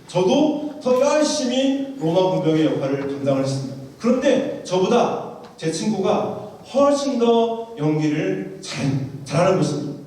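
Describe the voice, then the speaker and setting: A man's voice: sits high, sing-song, moderate pace, a little mellow. A man preaching a sermon, telling a story vividly and acting out the lines of the people in it. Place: large church sanctuary. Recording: echoey church hall, voice from far off.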